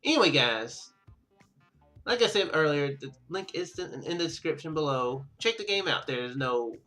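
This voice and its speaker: Male let's play host: bright, very animated delivery, rambling think-aloud commentary, light music underneath. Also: fairly high pitch, normal speed. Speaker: gaming video host.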